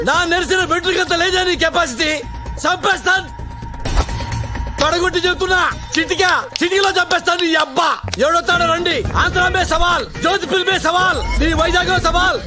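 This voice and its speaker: Older father, shouting, menacing, boastful, high-pitched, film music behind. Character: loud menacing older father, blustering threats. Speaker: father of the hero. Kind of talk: Telugu film comedy acting.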